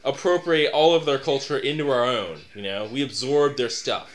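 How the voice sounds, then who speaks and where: A man's voice: medium pitch, normal speed. A man co-hosting a let's play, throwing out provocative wisecracks while watching the game. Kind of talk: casual gaming banter.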